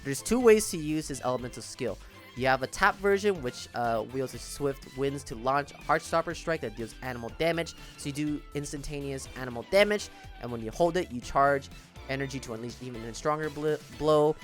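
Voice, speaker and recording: A man's voice: medium pitch, fairly quick. A man giving casual, informal commentary on a video game as a content creator, often stressing his words. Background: background music.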